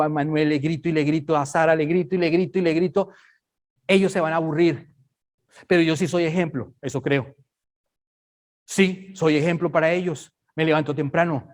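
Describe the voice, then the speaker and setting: Emphatic preacher, conversational. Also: male voice, on the high side. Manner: conversational, emphatic, checks listeners understand. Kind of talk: Bible study sermon.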